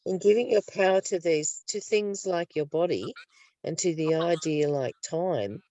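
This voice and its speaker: Older female, low register, reflective study-group speaker, slightly distant mic. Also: darkish tone. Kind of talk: reading aloud and reflective discussion. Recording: roomy, distant microphone.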